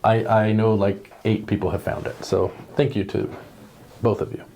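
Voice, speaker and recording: A man's voice: lowish voice, level tone, normal speed, vocal fry, mellow, slight background noise, rough recording. A middle-aged man co-hosting a casual chat show, reading viewer comments aloud and laughing often in a playful way.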